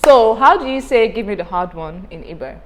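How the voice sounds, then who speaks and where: Behind the lively intonation, noticeable background noise can be heard. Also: woman. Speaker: language teacher YouTuber. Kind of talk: language tutorial.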